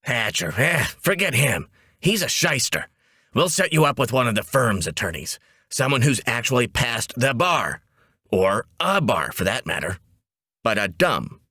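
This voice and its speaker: A man voicing a brisk, wisecracking female ad agency boss in a comic audiobook, with a breezy, emphatic manner. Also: mid-range voice, sing-song, sharp tone, slightly rough, no echo, clean studio sound, heavily acted.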